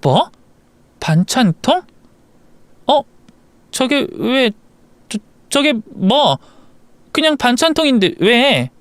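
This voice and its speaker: Man voicing a flustered young wife, stammering, high-strung, high smooth voice. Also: big pitch swings, slow pace, long pauses, fairly bright tone, no room sound, full character voice. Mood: startled. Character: flustered young wife, defensive then pleading. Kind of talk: storybook voice acting.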